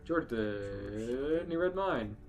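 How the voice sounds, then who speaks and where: A man's voice: medium pitch, expressive, takes it slowly, a little mellow. A man co-hosting a podcast in casual comedic chat. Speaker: podcast co-host. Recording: faint music behind the voice. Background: faint music.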